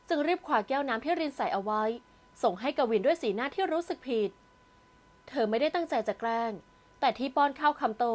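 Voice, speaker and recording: A woman narrating a romance audio novel in a steady storytelling manner. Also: high-pitched.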